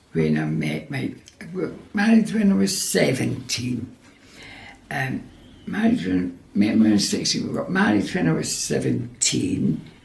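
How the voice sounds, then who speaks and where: Here a woman speaks at a fairly slow pace. Audible room echo fills the recording. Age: 80s+. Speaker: church member giving testimony. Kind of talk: testimony. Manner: halting.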